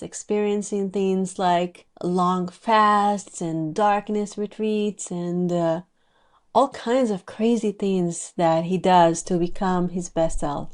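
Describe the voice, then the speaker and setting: A woman's voice: mid-range voice, darkish tone. Woman hosting an interview podcast. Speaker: podcast host. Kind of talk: podcast introduction and conversational interviewing.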